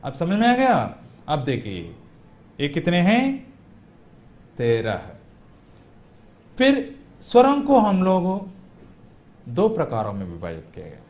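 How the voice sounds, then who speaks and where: A man teaching Hindi grammar in a classroom, sounding out vowels slowly and asking the class questions he then answers. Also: sits high, wildly swooping pitch, darkish tone. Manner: slow, repeats vowel sounds aloud for drill. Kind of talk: classroom lecture for exam prep. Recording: dull lo-fi classroom recording.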